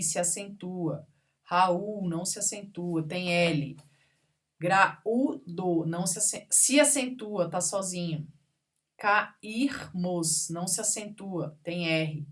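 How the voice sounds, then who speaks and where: A woman with a lowish voice gives a grammar lesson at an unhurried pace. She reads out each example word, labels it, and keeps asking whether the class is with her. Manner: patient, spells out examples word by word with frequent check-ins. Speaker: teacher.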